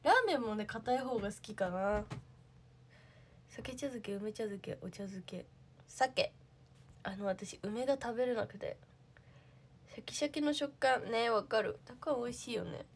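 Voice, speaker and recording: A woman's voice: fairly high pitch, normal speed, pauses often, husky. A young woman, an idol, chatting casually on a livestream, answering viewer comments and thinking aloud with lots of fillers.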